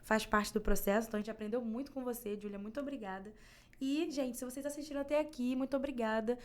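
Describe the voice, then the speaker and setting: Woman, Brazilian accent, podcast host, friendly, chatty, slightly high voice. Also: fast talker, a little mellow. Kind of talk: episode sign-off.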